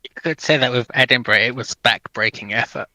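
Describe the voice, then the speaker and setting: A man's voice: medium pitch, fairly quick, bright, forceful tone, no echo, low-quality recording. A man taking part as a panelist in a casual, bantering history discussion.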